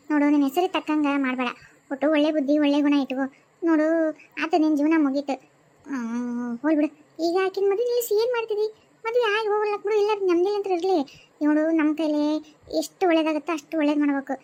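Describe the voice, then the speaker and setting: A woman's voice: high voice, fast talker, darkish tone, muffled recording, natural voice. A woman voicing a scolding, motherly ghost companion in a cartoon, speaking North Karnataka Kannada and lecturing the new ghost. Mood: advising. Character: older ghost companion, calm, preachy, scolding. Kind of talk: cartoon voice acting.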